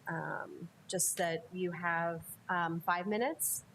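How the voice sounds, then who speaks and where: A woman's voice: lowish voice, steady tone, slow pace, fairly bright tone, slight background noise, rough recording. A woman chairing a public school board meeting, explaining the rules informally with many ums.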